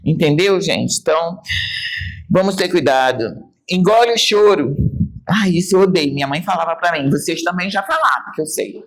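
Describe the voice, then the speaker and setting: Woman, Brazilian Portuguese accent, Bible study teacher, emphatic, expressive, talks straight to the group. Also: on the low side, fairly quick. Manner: acts out quoted remarks in changed voices. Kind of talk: church Bible study lesson.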